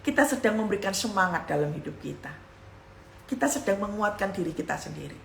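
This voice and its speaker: A woman preaching a sermon in a conversational, earnest way, often dropping her voice to a soft near-whisper. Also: medium pitch, animated, brisk, vocal fry, a little hiss or hum. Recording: echoey room.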